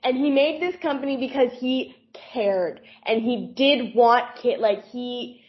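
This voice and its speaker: Swearing, animated woman on a dull podcast line. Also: a little high, measured pace. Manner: animated, swears freely, laughs often. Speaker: podcast co-host. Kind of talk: casual chat.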